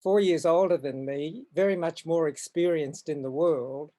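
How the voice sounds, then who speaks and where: A man in his seventies from Far North Queensland with an Australian accent, telling stories from his life in a hesitant, halting way over a video call from home. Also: on the high side, mellow. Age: 70s. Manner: hesitant, halting, with frequent ums and restarts. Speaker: guest artist. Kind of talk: reflective storytelling in an interview.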